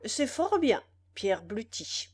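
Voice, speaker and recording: A woman doing an excited, teasing village lad. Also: on the high side, takes it slowly, heavily acted.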